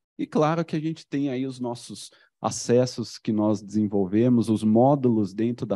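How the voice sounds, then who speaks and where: The voice has a dark, mellow tone, a fairly slow pace and ordinary pitch variation. The sound is dry and close with no echo, set against a quiet background. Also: man. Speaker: research program presenter. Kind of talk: webinar presentation.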